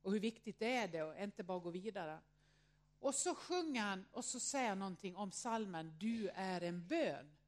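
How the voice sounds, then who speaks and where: A woman's voice: medium pitch, expressive. A woman around sixty tells a personal story to an audience, earnest and reflective, often filling her speech with little hesitation words. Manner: acts out quoted voices in her story.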